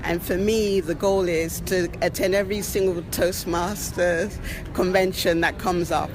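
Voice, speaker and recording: A woman's voice: on the low side, fairly even intonation, noisy background. A woman from Maryland, a first-time convention attendee, speaking eagerly with a few restarts. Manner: eager, slightly halting.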